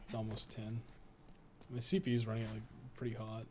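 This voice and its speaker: A man's voice: on the low side, completely flat delivery, a little fast, mellow. A man giving casual live gameplay commentary as a streamer, rambling and thinking aloud with frequent swearing. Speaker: video game streamer and guide writer. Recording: clearly noisy background.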